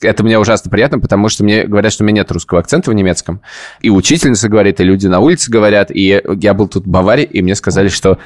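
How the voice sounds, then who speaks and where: This podcast host has a fairly low voice and talks at a racing clip. He chats casually, spinning long, rambling stories that poke fun at himself.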